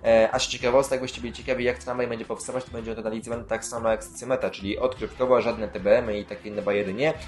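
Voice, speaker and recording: A man's voice: medium pitch, little pitch movement, racing, few pauses. A man hosting a casual news roundup, rambling with filler sounds and self-corrections, and dropping dry sarcastic asides. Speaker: YouTube host covering city transit news.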